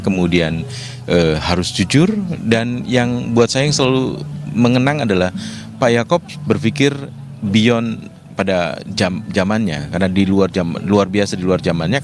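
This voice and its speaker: Deep-voiced man giving a measured interview. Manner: measured, reflective, occasional fillers. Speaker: newspaper deputy chief, interviewee. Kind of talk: live interview answers. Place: outdoors at a cemetery.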